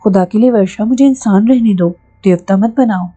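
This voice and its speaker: Bemused young guy read by a woman, wry and mild, mellow husky tone. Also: mid-range voice, faint music behind, lightly acted. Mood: protesting. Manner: wry, mildly protesting.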